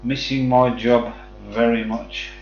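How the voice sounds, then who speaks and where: Slow-talking man with a Black Country accent. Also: medium pitch, level tone, a little hiss or hum. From West Midlands, England. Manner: friendly, matey address to viewers. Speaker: live streamer chatting with viewers. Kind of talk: casual chat. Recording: dull sound, echoey room, faint music.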